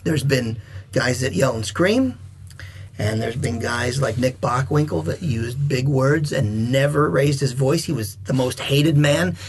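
A middle-aged man, a veteran wrestler and guest, telling stories in a casual chat, animated and swinging between loud and soft. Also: mid-range voice, a little slow, a little hiss or hum.

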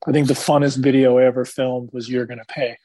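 A man being interviewed as a musician, relaxed and joking, laughing a lot and swearing freely. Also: mid-range voice, fast, no room sound, rough recording. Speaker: musician guest. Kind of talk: casual interview.

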